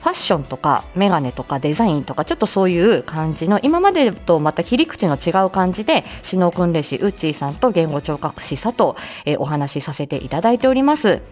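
A woman's voice: lowish voice, big pitch swings, fast, hardly any pauses, a little mellow, soft background music. A woman hosting a live stream in a casual, chatty way, often laughing between phrases. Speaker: livestream host.

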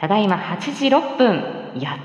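A woman's voice: medium pitch, very animated, a little slow, darkish tone, dull audio. A woman hosting her weekly morning live stream as a speech therapist, chatting in a flustered way with many fillers and little laughs. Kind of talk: casual solo live stream.

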